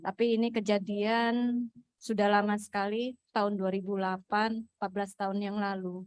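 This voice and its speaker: A woman's voice: medium pitch, level tone, moderate pace, dry recording. Shy nervous woman telling her testimony at a fellowship, dry sound. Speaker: testimony speaker, wife of the previous speaker. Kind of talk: personal religious testimony.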